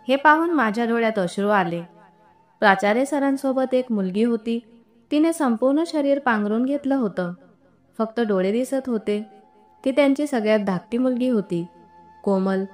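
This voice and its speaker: A woman narrates a scripted first-person story in a steady, earnest way. Her voice sits a little on the high side. Faint music plays quietly behind her. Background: faint background music.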